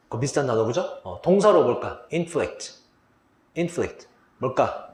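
A male teacher takes students through exam vocabulary in a voice that sits a little high and leaps up and down. He fires questions at the class and answers them himself. The sound carries the echo of a reverberant room. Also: darkish tone. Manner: quizzing students, answering his own questions. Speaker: English teacher. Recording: echoey room.

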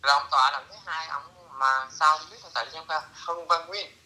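Bright-voiced middle-aged man telling a story. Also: a little high, moderate pace, low-quality recording. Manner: lively, mixes in broken English phrases. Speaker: interviewee. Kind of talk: casual storytelling.

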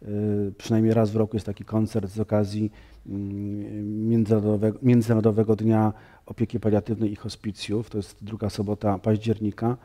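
A man in his thirties, a priest giving a measured, explanatory studio interview with frequent fillers. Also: fairly low pitch, monotone, warm tone. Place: bright TV studio, seated on sofa.

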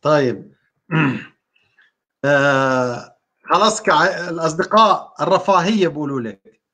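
A man's voice: a little high, measured pace, pushed and bright. A man co-hosting a live quiz show, teasing and laughing in casual chat. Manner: jovial, laughs often, teasing.

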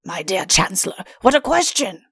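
Sly storybook royal, played by a woman: self-satisfied, mischievous, mock-tender, with some fry in the voice. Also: mid-range voice, very animated, normal speed, fairly bright tone, dry recording, studio quality, exaggerated voice. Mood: gleeful.

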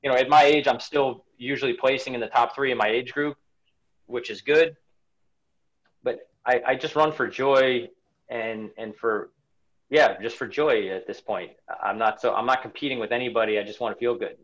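Man, forties, interview guest on a home video call, reflective, halting, frequent restarts. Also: mid-range voice, a bit bright, muffled recording. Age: 40s. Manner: reflective, many restarts and repeated words. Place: home room indoors. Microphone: webcam on a video call.

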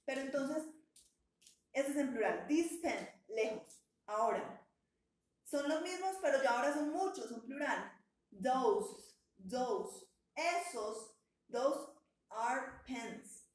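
A woman's voice: high-pitched, animated, unhurried. A woman teaching an English lesson. She is patient and encouraging and stretches out words to model their pronunciation. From Colombia. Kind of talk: bilingual language lesson. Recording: echoey room sound.

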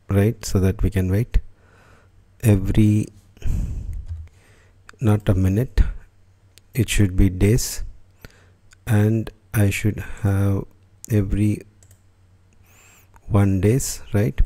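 Low, mellow-voiced male tech tutor. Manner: unscripted, frequent fillers and restarts. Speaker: tutorial host. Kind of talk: screen-recorded software tutorial.

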